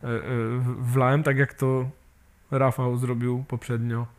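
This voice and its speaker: A man speaks as an interview guest, casual and unpolished. His voice sits at an ordinary middle pitch, and he stumbles through restarts and fillers, often ending his thoughts with a quick tag question. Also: little pitch movement. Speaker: guest, amputee peer support volunteer.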